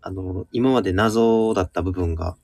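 Guy guest on a radio show, lowish voice, super dry sound, polite bit hesitant explaining. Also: normal speed, gravelly, darkish tone, no room sound. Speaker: guest presenting a book segment. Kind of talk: casual radio book introduction.

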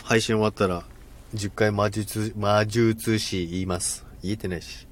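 Male streamer, low voice, casual and self-deprecating, trips over his words. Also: steady tone, a little slow, a little hiss or hum. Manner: laughs often, polite and self-deprecating, stumbles over words. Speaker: live stream host. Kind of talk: casual live chat.

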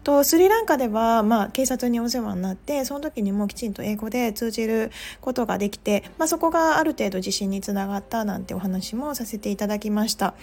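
A woman's voice: fairly high pitch, brisk, hardly any pauses, a little mellow. A woman from Japan hosting a podcast, talking casually with lots of fillers and laughing at herself. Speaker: pharmacist and podcast host. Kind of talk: casual monologue.

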